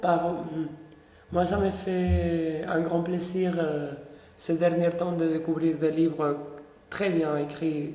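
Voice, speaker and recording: A woman with a Spanish accent speaks very slowly in a flat monotone, her pitch fairly low and her pauses long and frequent. Noticeable background noise and audible room echo surround her voice. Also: very even loudness. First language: Spanish (speaking French). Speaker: radio show host. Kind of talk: interview conversation.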